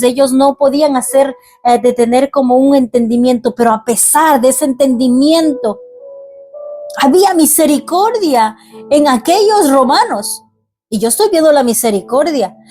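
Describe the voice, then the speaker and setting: A woman reads a scripture passage aloud, then turns to her own earnest, halting reflections on it. Her voice is fairly high and mellow, and soft music plays faintly behind her. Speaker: ministry teacher. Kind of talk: reading scripture and preaching.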